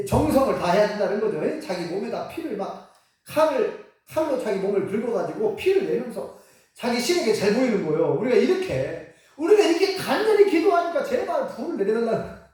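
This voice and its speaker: A woman's voice: medium pitch, fairly quick. A woman preacher telling a story in a sermon, asking the congregation questions and acting out quotes. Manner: animated, asks the congregation questions, acts out quotes. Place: church sanctuary. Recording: echoey church from far off.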